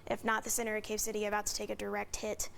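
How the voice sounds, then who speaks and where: A woman's voice: mid-range voice, monotone, rapid-fire, creaky, a bit bright, a little hiss or hum. A woman presenting live severe weather coverage on TV, explaining radar and roads steadily with frequent fillers. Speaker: TV meteorologist.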